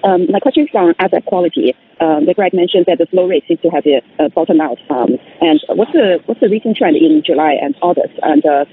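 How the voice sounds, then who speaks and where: A man with a fairly high voice puts an analyst's question on a conference call. He is halting, full of ums but quick between them, and sounds narrow and phone-like. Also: expressive, husky. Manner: hesitant, halting with many ums. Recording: narrow phone line with faint noise.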